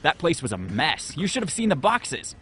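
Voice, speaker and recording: A man's voice: on the high side, wildly swooping pitch, moderate pace, fairly bright tone, slight background noise, full character voice. A man playing a breezy, obliviously self-assured slacker stock boy in a comedy audio sketch. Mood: breezy, self-justifying.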